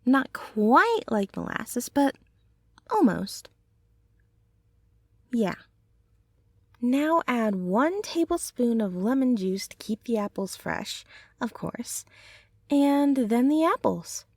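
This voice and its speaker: A gentle, affectionate centaur girlfriend, played by a woman, rambles softly in a soothing ASMR roleplay. Her voice sits a little high and moves at a slow, tender pace. The sound is dry and close, with no room around it. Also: big pitch swings, no echo, heavily acted. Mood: gentle, chatty. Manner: soft, tender, unhurried, rambling. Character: gentle, affectionate young centaur girlfriend, chatty home baker.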